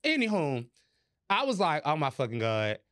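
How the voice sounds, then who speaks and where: Animated, swooping man telling a story. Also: fairly high pitch, moderate pace. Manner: animated, profane, laughs through the story. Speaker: podcast host. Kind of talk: casual storytelling chat.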